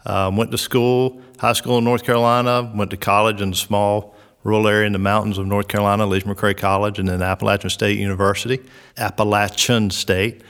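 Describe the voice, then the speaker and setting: A middle-aged man from South Georgia with a Southern accent, answering interview questions in an unhurried way, with many "uh"s and "um"s. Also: lowish voice, flat delivery, a bit bright, smooth, in a large hall. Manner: unhurried, lots of "uh" and "um" fillers. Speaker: resort recreation director.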